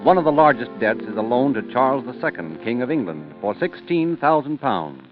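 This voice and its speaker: A man's voice: medium pitch, animated, brisk. A male narrator telling a historical story in dramatic radio style. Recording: lo-fi old radio transcription with music underneath.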